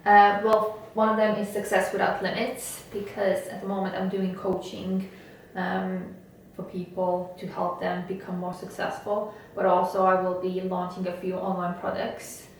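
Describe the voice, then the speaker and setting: A woman who grew up speaking Estonian talks in an earnest, motivational way, keeping her pitch notably level and flat. She sounds set back from the microphone in a very echoey room. A faint hiss of noise sits underneath. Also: normal speed, far from the mic. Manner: earnest, motivational, steady and even. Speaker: guest. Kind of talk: interview conversation.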